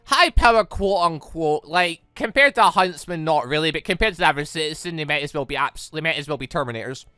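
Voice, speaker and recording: Bright, animated let's play commentator. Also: medium pitch, quick pace, few pauses, clean tone, no room sound. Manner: rambling, expressive, emphatic. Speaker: gaming YouTuber, let's play host. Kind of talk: casual let's play commentary with reading dialogue aloud. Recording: game music playing behind voice. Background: visual novel game music.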